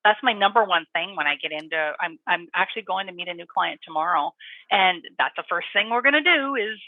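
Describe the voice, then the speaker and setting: A woman dog trainer and author chatting as an interview guest, animated and quick to laugh. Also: fairly low pitch, no echo, phone-quality sound. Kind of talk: interview guest, casual chat.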